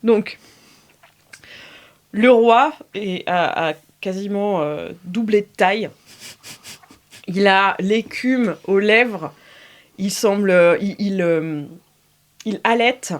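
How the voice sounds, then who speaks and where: Here a woman runs an improvised tabletop session as game master, her medium-pitched voice moving slowly with long pauses. She sounds unsure, uses lots of filler sounds, and laughs a great deal.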